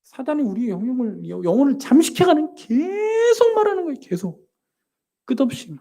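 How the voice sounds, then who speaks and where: A man preaching a sermon as pastor. His delivery is emphatic, with rhetorical questions to the congregation, sudden loud exclamations and near-whispered asides. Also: very high voice, very animated, normal speed. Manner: acts out the nagging inner voice in direct speech.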